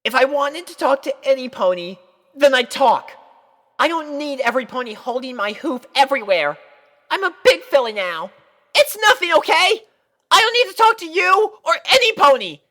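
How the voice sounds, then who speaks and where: A young cartoon filly, high and very animated in pitch. The little character is anxious and lovesick, with a plaintive, easily flustered delivery that stumbles into hesitation. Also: female voice, normal speed, heavily acted. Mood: snapping, irritated.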